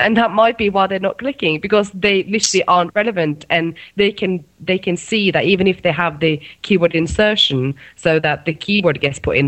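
In a Norwegian accent, a woman speaks at a fairly quick pace with ordinary pitch variation. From Norway. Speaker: search agency owner. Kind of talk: casual chat.

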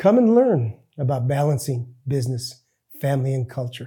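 The voice has a dark, mellow tone and sounds somewhat breathy. Its pitch swings very widely. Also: man. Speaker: nonprofit loan fund executive. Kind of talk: promotional introduction.

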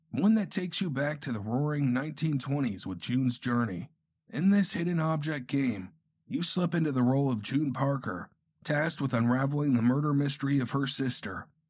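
A man's fairly high, lively-sounding voice with an American accent, an unremarkable speaking voice at a moderate pace, on a very clean recording with a silent background. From Florida. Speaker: true crime podcaster. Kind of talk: true-crime narration. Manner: measured, solemn storyteller; reads from a script.

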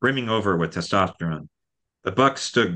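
Against a quiet background, this is plain reading aloud with lively intonation.

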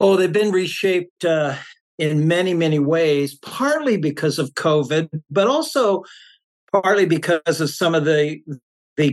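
A man with an unremarkable speaking voice talks fairly slowly at a fairly high pitch with ordinary pitch variation. The background is quiet. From Vancouver, Canada. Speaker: urban planner. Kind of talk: interview.

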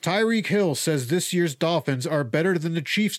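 A man speaks with an American accent, using an ordinary speaking voice at a fairly high pitch. His pace is fairly slow and his intonation lively. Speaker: comedian podcast co-host. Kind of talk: news joke reading.

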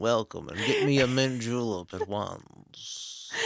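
A man puts on a character voice at medium pitch. He drawls at a fairly slow pace. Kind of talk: grand, demanding.

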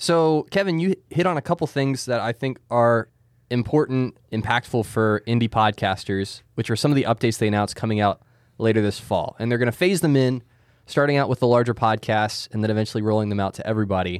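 On a very clean recording with a silent background, a man talks at a fairly quick pace in a plain, everyday voice, medium in pitch with ordinary pitch variation. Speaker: podcast host. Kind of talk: casual chat.

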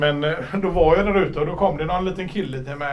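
Over noticeable background noise and audible room echo, a man speaks at a very fast pace in a high pitch with ordinary pitch variation. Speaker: police officer. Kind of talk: interview.

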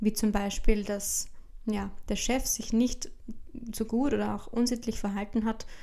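A woman's dark, mellow tone sits at a fairly high pitch. She talks at a fairly slow pace with fairly even intonation. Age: 30s. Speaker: podcast co-host. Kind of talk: casual chat.

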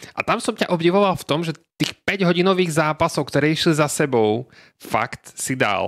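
A man speaks in a normal speaking voice at a moderate pace and fairly high pitch. The recording is very clean, with a silent background and a dry, close sound with no echo. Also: lively intonation. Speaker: podcast host. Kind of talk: interview.

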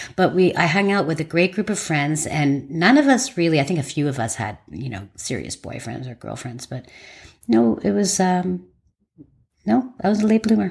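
A woman's fairly low voice with vocal fry, very wide pitch swings and a moderate pace. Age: 50s. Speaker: host's mother. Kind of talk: casual chat. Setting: indoor recording at a rented apartment.

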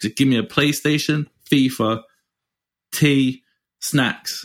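Speaking at a medium pitch, a man varies it in an ordinary way. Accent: English. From England. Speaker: guitarist. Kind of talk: casual chat.

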